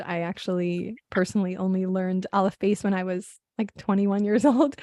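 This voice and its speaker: A woman sharing her thoughts on a video call in a casual discussion, pausing often with fillers and restarts. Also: mid-range voice, darkish tone, dry recording, clean studio sound. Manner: hesitant, with many fillers and restarts.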